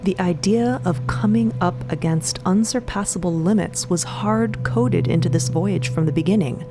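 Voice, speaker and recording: A woman narrates a scripted fantasy adventure in a fairly low voice. Her delivery is that of a dramatic podcast storyteller. Music plays behind her. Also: moderate pace, mellow. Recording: voice over prominent music.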